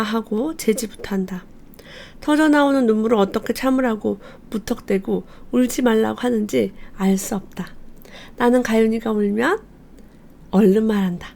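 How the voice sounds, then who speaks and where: A woman hosting a book channel, reading passages from a parenting book aloud and commenting on them, telling the anecdotes in a lively way. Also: a little high, normal speed, creaky. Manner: lively storyteller who acts out quoted lines.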